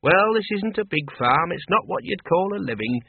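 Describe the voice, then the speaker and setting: A man voicing a sharp, blunt older farm woman who talks briskly and jabs with questions. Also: high voice, animated, gravelly, husky, no room sound, pitched above the performer's own voice, exaggerated voice. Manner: brisk, quick to jab with questions. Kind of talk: audiobook character voice. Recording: tinny phone-like, dry.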